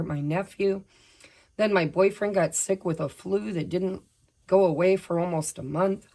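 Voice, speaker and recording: A woman, slightly hoarse while her voice recovers, chatting casually and apologetically through a pick-a-pile tarot reading. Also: mid-range voice, a little mellow. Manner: chatty, apologetic, tells personal updates while shuffling. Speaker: tarot reader.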